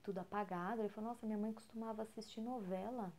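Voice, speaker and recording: Brazilian woman, Brazilian Portuguese accent, soft near-whisper, mellow tone, storytelling podcast at home. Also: mid-range voice, steady tone, fast talker. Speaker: podcast co-host. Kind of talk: storytelling talk.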